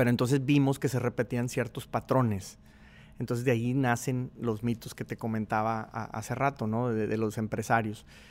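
This man speaks in a Monterrey accent at a medium pitch. His intonation is monotone and flat. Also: moderate pace. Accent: northern Mexican (regiomontano) Spanish. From Mexico, Monterrey. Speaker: entrepreneur. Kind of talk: interview.

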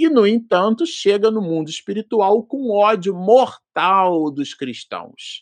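The sound is dry and close with no echo as a man speaks in a high voice. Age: 40s. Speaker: spiritist study leader. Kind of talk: lecture. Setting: livestream.

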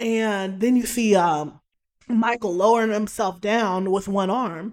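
At a fairly slow pace, a woman speaks in a plain, everyday voice at medium pitch. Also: very clean recording, silent background. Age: 20s. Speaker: podcast host. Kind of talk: casual solo movie review.

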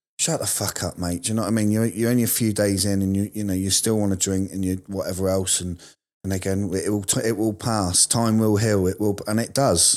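A man with an English accent, fairly low pitch, fairly even intonation and a fairly quick pace, on a very clean recording with a silent background. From England. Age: 30s. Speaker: amateur bodybuilder in addiction recovery. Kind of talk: casual interview. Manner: halting, many fillers.

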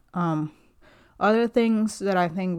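A woman speaks at a fairly slow pace. The recording is very clean, with a silent background. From Guatemala. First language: Spanish. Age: 30s. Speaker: podcaster sharing personal experiences. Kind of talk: solo personal monologue, casual. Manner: halting, hesitant with many fillers.

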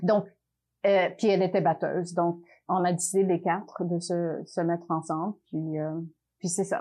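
A woman with a dark, mellow tone and fairly low pitch speaks fairly slowly in a monotone, flat intonation, with long, frequent pauses. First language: Italian (speaking French). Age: 50s. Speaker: theatre director. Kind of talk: interview. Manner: halting.

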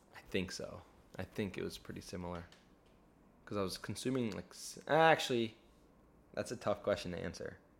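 Big swings in loudness and long, frequent pauses in a very clean recording with a silent background. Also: man. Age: 20s. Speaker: recent college graduate and startup founder. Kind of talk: casual chat.

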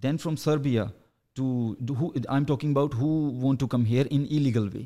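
Dark and mellow in tone, a man speaks at a moderate pace with a medium pitch and fairly even intonation. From Punjab, India. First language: Punjabi. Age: 20s. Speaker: food delivery courier, immigrant worker. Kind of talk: casual interview chat. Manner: halting, non-fluent English.

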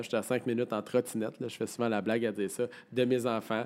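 A man with a Quebec accent speaks at a medium pitch with monotone, flat intonation. The recording is very clean, the background silent. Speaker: entrepreneur. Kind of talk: casual chat.

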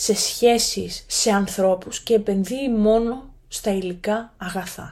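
This woman talks at a very slow pace with a medium pitch and ordinary pitch variation. Her tone is dark and mellow, and the recording is very clean with a silent background. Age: 20s. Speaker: podcast host. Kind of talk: solo monologue podcast.

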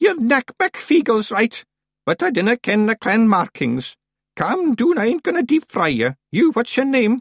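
A man puts on a character voice at an extremely high pitch, swinging his pitch widely with vocal fry at a moderate pace, in a very clean recording with a silent background and a dry, close sound with no echo.

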